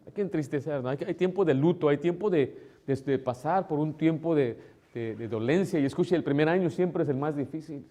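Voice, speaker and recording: A man preaching a sermon as pastor, emotional, moving between loud exclamations and soft, tender asides, sometimes acting out relatives in a higher tone. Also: fairly quick. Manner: acts out voices of relatives in a higher tone.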